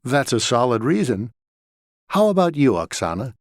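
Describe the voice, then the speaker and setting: A man acting as a lecturer, giving a scripted class talk in a clear, measured way, recorded in a studio. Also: mid-range voice, very animated, dry recording. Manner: measured, clear explanatory delivery. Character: male lecturer talking to a class.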